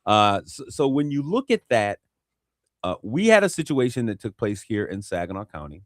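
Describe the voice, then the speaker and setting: A man hosting a radio talk show and interviewing a guest, speaking in a measured way with frequent filler sounds. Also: fairly low pitch, big pitch swings, no room sound, clean studio sound. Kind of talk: interviewing a guest on race issues.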